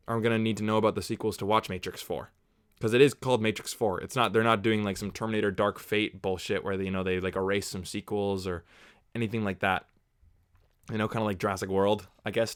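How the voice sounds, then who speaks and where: Man, Canadian-born, low smooth voice, rambling livestream chat, dry close mic. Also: no echo. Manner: rambling, chatty, answers chat, drifts into tangents. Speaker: movie reviewer hosting a live watch-along.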